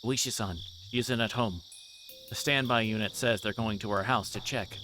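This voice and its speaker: A man's voice: fairly low pitch, fairly even intonation, moderate pace, noisy background, close to an everyday voice. A man voicing a dutiful junior police officer in a visual novel. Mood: businesslike.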